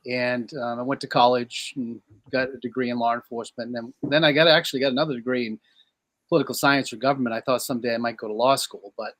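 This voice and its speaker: A man in his fifties from Maine, a police chief, answering interview questions in a plain-spoken, measured way. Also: medium pitch, fairly bright tone, no echo. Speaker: police chief and congressional candidate. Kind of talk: interview guest.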